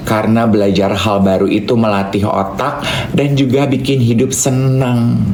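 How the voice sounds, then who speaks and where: A moderate pace with noticeable background noise. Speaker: radio host and MC. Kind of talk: casual morning radio chat. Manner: casual, code-switching with English.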